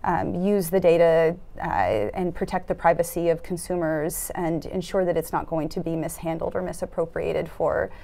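A woman in her thirties with a fairly low voice answers interview questions in a dark studio, speaking through a lapel mic. She is earnest and thoughtful, often pausing on fillers and restarting her sentences as she works out what she means. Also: creaky. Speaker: foundation program officer, interviewee. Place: dark studio set at a conference.

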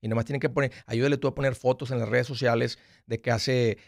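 A man in his forties hosts a call-in radio show on money advice from a small studio lined with acoustic foam, using a studio mic and headphones. His medium-pitched voice has vocal fry and fairly even intonation, and he talks quickly and directly, often restarting his words. There's no echo.

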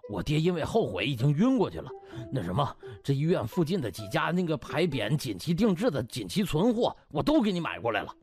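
Guy acting a big fat loudmouth in a comedy audiobook, coarse and excitable, pitch jumping around. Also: a little fast, few pauses, soft background music. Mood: sheepish, apologetic. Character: big fat man, blustering yet sheepishly pleading.

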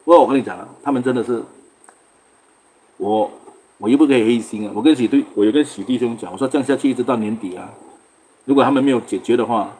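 A man's voice: mid-range voice, fast, pauses often, darkish tone, a little hiss or hum. A man from Singapore hosting a casual livestream, chatting loosely, greeting viewers by name and laughing often. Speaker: livestream host.

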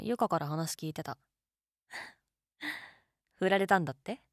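Low-voiced, teasing college girl played by a woman. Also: no echo, clean studio sound. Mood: playful. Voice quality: low-toned. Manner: teasing, casual, gently coaxing. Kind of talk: intimate situation-voice role-play, casual chat.

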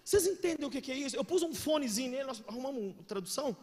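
A Brazilian man preaching a sermon, telling stories with animated swings between shouts and hushed asides. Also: very high-pitched, very fast. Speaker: pastor. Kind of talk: sermon with storytelling. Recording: echoey hall with faint noise.

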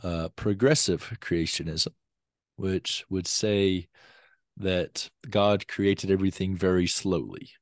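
A man's voice: sits low, dry recording, clean studio sound. A young man with a lingering cough, a guest scholar explaining views step by step over a video call from a home study. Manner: measured, explains in steps with frequent ums. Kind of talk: explanatory interview talk. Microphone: video call with a desk mic.

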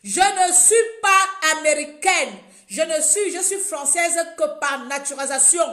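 Indignant gabonese-born woman venting into her phone, high voice, echoey little room. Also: lively intonation, measured pace. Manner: indignant, repeats herself, grows louder and emphatic. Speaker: vlogger. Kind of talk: impassioned direct-to-camera rant. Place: indoor room, small. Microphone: phone camera at arm's length.

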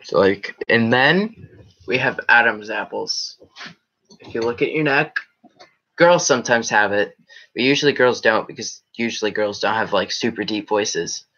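A man's voice: lowish voice, normal speed, sharp tone, muffled recording. A teenage boy wearing a headset, casually rambling through his live chat in a small room with a green backdrop. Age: teens. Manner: rambling, chatty, reacting to comments. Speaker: livestream host reading chat.

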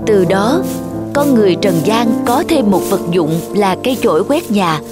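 Woman as folktale narrator over loud music. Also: medium pitch, animated, normal speed, close to an everyday voice. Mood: explanatory. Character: storyteller of a folk tale.

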